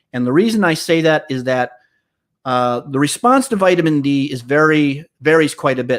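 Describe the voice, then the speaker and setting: Fairly high male voice with ordinary pitch variation, on a very clean recording with a silent background. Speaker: health and supplement educator. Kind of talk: livestream talk. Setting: live stream with viewers. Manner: fast; hesitant, many fillers.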